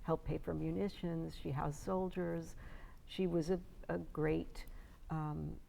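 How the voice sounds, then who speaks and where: Low, gravelly-voiced woman filmmaker. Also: steady tone, takes it slowly, mellow, a little hiss or hum. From United States. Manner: reflective, with frequent fillers and restarts. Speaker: filmmaker guest. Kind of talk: interview answers.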